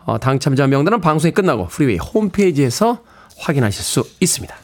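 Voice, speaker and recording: A man's voice: a little high, very animated, fast. A middle-aged man hosting a radio show, chatting and reading out listener messages and announcements from a studio microphone. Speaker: radio host.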